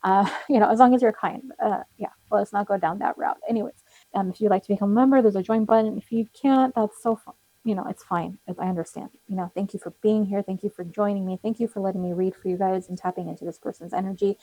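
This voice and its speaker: Chatty woman with a mellow, cracking voice. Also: mid-range voice, steady tone, fast talker, no room sound, poor audio. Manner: chatty, rambling, with frequent fillers and little laughs. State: losing her voice, slightly cracking. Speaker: tarot card reader. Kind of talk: casual tarot reading to viewers.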